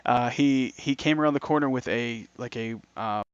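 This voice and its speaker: A man's voice: medium pitch, normal speed, smooth, no echo, lo-fi sound. Man, podcast co-host, casual chat, curses freely, dry close sound. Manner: swears a lot, animated storytelling.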